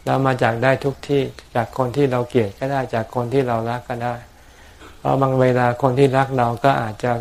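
A Buddhist monk calmly answering questions from his followers in plain words, with homely examples and touches of dry humor. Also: mid-range voice, brisk, vocal fry. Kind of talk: dharma talk answering questions.

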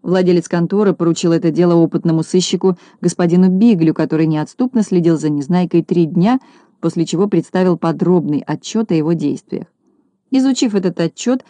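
Low, mellow woman storyteller. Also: dry recording. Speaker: audiobook narrator. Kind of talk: scripted storybook narration.

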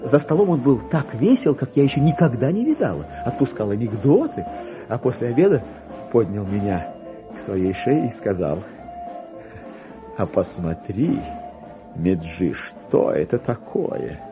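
A man's voice: medium pitch, very animated, unhurried, over music. A man voicing a chatty, naive, pampered female lapdog reading out her gossipy letters in a theatrical radio play. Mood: gossipy, puzzled. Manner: prim, gossipy, singsong.

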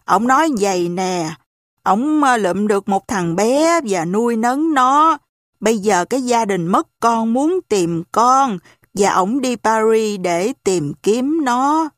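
A woman voicing an old, hard-of-hearing landlady who is gossipy and fretful, in a slow, lowered, grumbling old-woman voice for an audiobook. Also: lively intonation, no echo, studio quality. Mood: confiding. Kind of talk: audiobook character voice.

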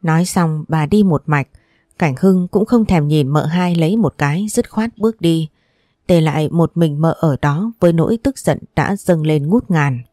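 A narrator reading a drama story in an expressive, steady way. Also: medium pitch, normal speed, dry recording, clean studio sound. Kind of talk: audiobook storytelling.

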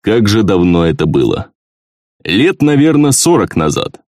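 Stern old gnome colonel, low and gruff, lively delivery, read by a man, audiobook. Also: measured pace, no room sound, studio quality.

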